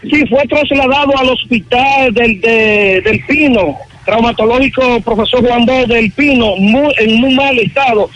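A man's voice: very high voice, a little slow, a bit bright, soft background music, rough recording. A man with a Dominican accent giving an unscripted live field report, hesitant and often groping for words. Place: outdoors at a roadside.

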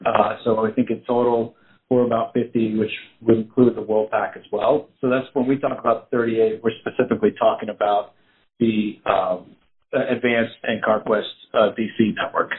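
A man's voice: lowish voice, flat delivery, normal speed. A man speaking as a company executive, giving an unscripted business explanation on an earnings call. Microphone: conference call line. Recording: noisy phone-like line with clicks.

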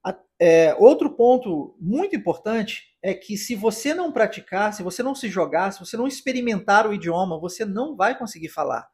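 A Brazilian English teacher with a husky voice, patiently explaining pronunciation step by step in a podcast lesson. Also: medium pitch, expressive, fairly quick, hardly any pauses, darkish tone. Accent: Brazilian Portuguese.

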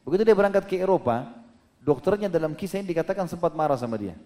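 A middle-aged male preacher telling stories in a sermon, animated and addressing listeners as friends. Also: a little high, fast talker. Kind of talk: storytelling sermon.

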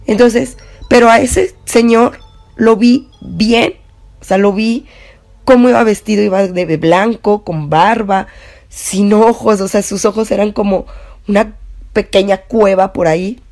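A woman's voice: mid-range voice, measured pace, darkish tone. A woman with a Mexican Spanish accent casually telling a personal ghost story, rambling with fillers and restarts. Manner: chatty, full of fillers and restarts.

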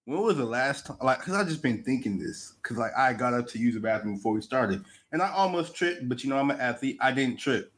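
A young man co-hosting a podcast, telling stories in a relaxed, slangy, unhurried way. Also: mid-range voice. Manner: laid-back slang storytelling, drawn-out. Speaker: podcast co-host. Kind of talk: casual chat.

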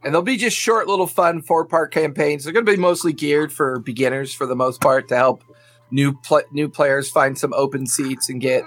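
Chatty male game master, slightly high voice. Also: moderate pace, fairly bright tone, no echo. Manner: rambling, with many ums and uhs. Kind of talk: casual show announcements.

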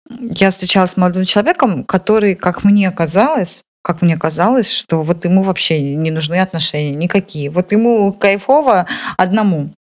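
A young woman chatting casually as a podcast co-host, telling stories with lots of fillers and restarts. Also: medium pitch. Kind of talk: casual chat.

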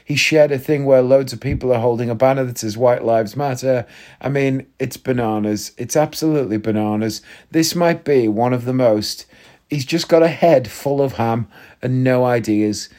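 Chatty man, mellow voice. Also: medium pitch, normal speed. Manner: chatty, blunt and jokey; rambling, with fillers and restarts. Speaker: podcast host. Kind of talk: casual chat monologue.

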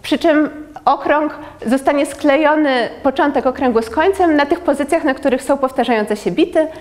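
A young woman presents a lecture to an audience, walking through her slides step by step. Her voice sits a little high, and she often pauses on hesitant fillers as she explains. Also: darkish tone. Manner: measured, with frequent filler pauses.

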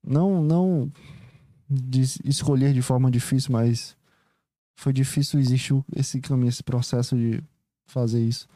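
A man's voice: medium pitch, fairly even intonation, normal speed, mellow, dry recording. A man with a Brazilian Portuguese accent, talking through his thoughts in a casual monologue, hesitant and rambling, often restarting sentences and tagging them with "you know?".

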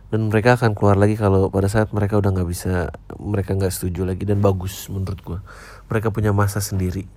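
A man's voice: low voice, little pitch movement, fast, mellow. A man, hosting a podcast and answering listener emails in blunt, offhand, slangy replies. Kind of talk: casual podcast chat.

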